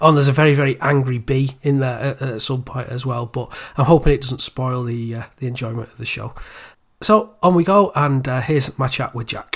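Somewhat breathy, a medium-pitched man talks at a fairly quick pace with ordinary pitch variation. His loudness swings widely. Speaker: podcast host. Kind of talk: interview. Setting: club reading room.

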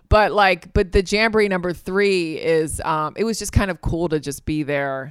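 Speaking at a moderate pace with hardly any pauses, a woman uses a fairly low pitch. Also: ordinary pitch variation. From Spain, raised in Virginia, US. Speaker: stand-up comedian. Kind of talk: casual interview.

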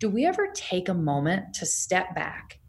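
A woman speaks at a fairly slow pace. Her voice is fairly low-pitched and somewhat breathy. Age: 30s. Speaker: fitness platform founder. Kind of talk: casual chat.

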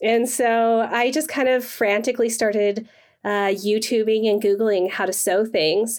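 A woman with an American accent uses a normal speaking voice, fairly high in pitch and fairly slow. Her intonation is fairly even, her loudness very even, and the recording very clean with a silent background. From South Texas. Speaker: quilter and social work student. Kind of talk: casual interview chat.

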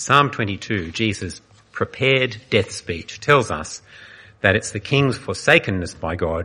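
Here we have an unforced reading voice. The intonation moves in a lively way.

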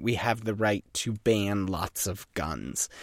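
A very clean recording with a silent background, dry and close with no echo. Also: man. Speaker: podcast host. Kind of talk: solo commentary podcast. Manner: loud; animated.

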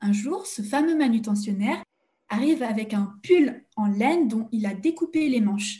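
Somewhat breathy and dark, mellow in tone, a woman speaks at a fairly slow pace in a fairly high pitch with lively intonation. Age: 20s. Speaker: fashion history content creator. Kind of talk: interview.

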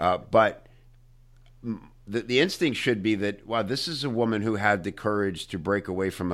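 Recorded very cleanly against a silent background, a man speaks at a fairly low pitch with ordinary pitch variation. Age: 40s. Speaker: podcast host. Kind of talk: interview. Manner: animated.

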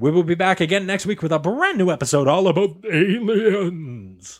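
A man performs a put-on character voice. It sits high in pitch and moves at a moderate pace. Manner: dramatic, spooky.

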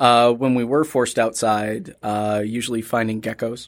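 A man's plain, everyday voice at a medium pitch and moderate pace, on a very clean recording with a silent background. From Michigan, Detroit area. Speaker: musician. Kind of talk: interview. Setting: studio.

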